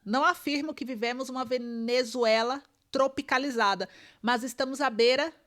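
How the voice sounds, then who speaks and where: A woman's voice: high-pitched, moderate pace, fairly bright tone. A woman with a Brazilian Portuguese accent giving online political commentary, reading news aloud and pressing her viewers with emphatic rhetorical questions.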